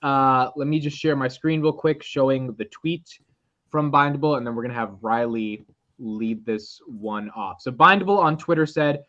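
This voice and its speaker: A man in his twenties hosting a casual group podcast, animated and swearing freely. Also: medium pitch, moderate pace, muffled recording. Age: 20s. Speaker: podcast host.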